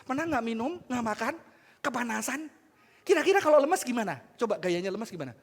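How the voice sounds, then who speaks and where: A man preaching a lively, playful sermon to young people, coaxing and shouting along with the crowd. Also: very high voice, a little fast, husky. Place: large church hall. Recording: church hall reverb with faint music.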